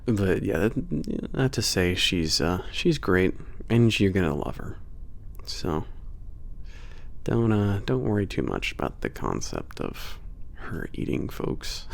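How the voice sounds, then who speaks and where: Man acting as big sardonic werewolf trainer, low growly fry, lively swooping intonation, gruff yet caring, teasing, casual ASMR roleplay. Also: full character voice. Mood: explaining, reassuring. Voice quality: very low, gravelly voice. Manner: casual, sardonic, hesitant pauses, frequent chuckles and swearing. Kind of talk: ASMR roleplay audio drama.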